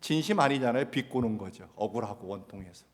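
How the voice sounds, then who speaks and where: A male pastor preaching a sermon in a dramatic way, acting out imagined dialogue and swinging from loud to soft. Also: fairly low pitch, expressive, fast talker. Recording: long church hall reverb.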